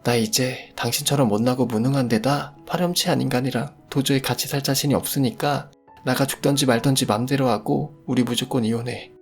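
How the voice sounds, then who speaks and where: A fed-up older mother-in-law speaks out bitterly, as a male reader lifts his voice to play her. The tone is pushed higher than his own over faint background music. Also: a little fast, lightly acted. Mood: accusing. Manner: accusing, then tearful and resigned. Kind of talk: storytelling radio drama voice.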